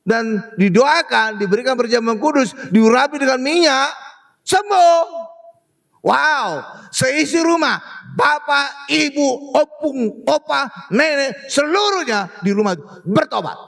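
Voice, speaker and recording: A man preaching with a high voice that leaps all over the place. He exclaims and keeps turning to the congregation for agreement. His sermon delivery is lively throughout. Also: slow pace, creaky. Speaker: pastor.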